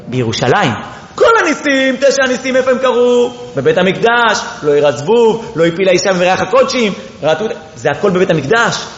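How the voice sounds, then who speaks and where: A man with a high voice teaches an impassioned Torah lesson, shifting from quiet explanation to pleading cries. The sound is dull and lo-fi, with a long echo off the walls of a hall and a faint rumble underneath. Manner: swings from quiet explaining to rising, pleading exclamations; apologizes for being disorganized, restarts often.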